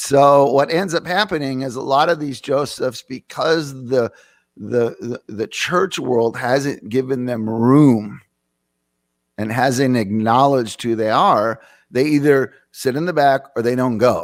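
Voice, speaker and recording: A man with a normal speaking voice, medium pitch and ordinary pitch variation. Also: very clean recording, silent background. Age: 60s. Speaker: author and former pastor. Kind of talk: casual chat.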